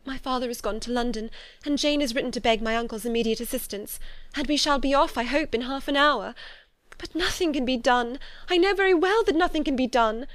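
A woman voicing an agitated, distraught young gentlewoman from a period novel, speaking in impassioned, anguished exclamations. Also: high-pitched, fairly quick, dry recording, pitched above the performer's own voice, close to an everyday voice. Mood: despairing. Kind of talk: dramatic audiobook character acting.

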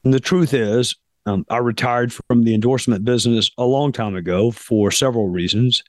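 Hoarse guy doing his podcast, slow and thoughtful, lots of uhs, medium pitch, dry sound. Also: dry recording. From South Carolina, US. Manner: deliberate, pausing often with fillers. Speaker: podcast host. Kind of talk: reflective podcast monologue.

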